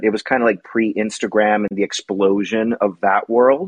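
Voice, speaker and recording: An ordinary speaking voice at a moderate pace. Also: man. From Miami, Florida (born in Cuba). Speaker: travel writer and actor. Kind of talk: casual interview chat.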